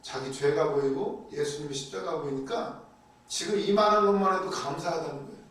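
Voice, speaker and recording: A man teaching a Bible class in a conversational church style, chatty and animated, often acting out quoted prayers. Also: a little high, brisk. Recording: very echoey room, voice from a distance.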